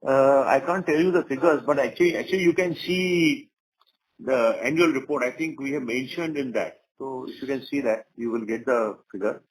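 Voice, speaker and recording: On a noisy conference phone call, a company executive with an Indian accent fields investor questions, often repeating words for emphasis. His voice is husky and medium-pitched, and he speaks at a normal speed.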